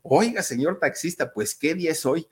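In this storytelling piece, a flustered young man blurts out high, startled exclamations, as a male narrator puts him on. The voice is husky and the pace is hurried. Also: animated.

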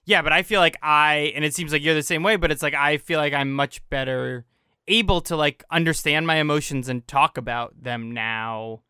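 Bright, crisp-voiced reflective man. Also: fairly high pitch, moderate pace, no room sound, studio quality. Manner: reflective, filler-heavy "like". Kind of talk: casual conversation.

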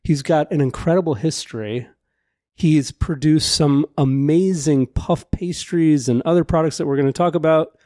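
A man's voice: fairly high pitch, normal speed, a little mellow, no room sound, studio quality. A man co-hosting a food podcast, chatting enthusiastically and asking a guest questions. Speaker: podcast co-host. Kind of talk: conversational interview hosting. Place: venue on a city pier.

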